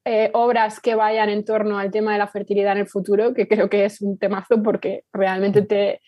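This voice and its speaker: A woman's voice: medium pitch, level tone, normal speed, mellow, dry recording. A woman talking casually as an interview guest, explaining things and rephrasing as she goes. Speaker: fiction podcast writer, interview guest.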